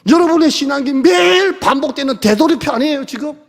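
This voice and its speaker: A middle-aged Korean pastor with a high voice gives a chatty Sunday sermon, now and then sinking into a hushed near-whisper. His words ring out with a long reverb in a church sanctuary. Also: fairly quick. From South Korea. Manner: conversational preaching, drops to soft near-whispers.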